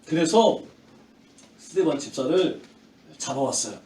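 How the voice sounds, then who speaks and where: A man's voice: fairly high pitch, expressive, unhurried, mellow. A male pastor telling a Bible story to children, asking them questions and acting out the voices of the crowd. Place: church hall. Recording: echoey church hall from a distance.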